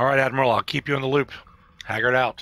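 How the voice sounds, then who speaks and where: Using a put-on character voice, a man growls at a medium pitch and a very fast pace. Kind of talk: formal, military.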